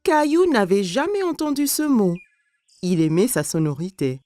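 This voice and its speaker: A woman narrating a children's cartoon as a scripted story, telling it clearly in simple sentences. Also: mid-range voice, very animated, moderate pace, warm tone, soft background music, close to an everyday voice.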